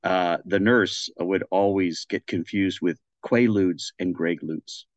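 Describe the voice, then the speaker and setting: A man's voice: low voice, slow pace, no room sound. A man, an actor being interviewed, joking along in a goofy, rambling way. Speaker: actor, podcast guest.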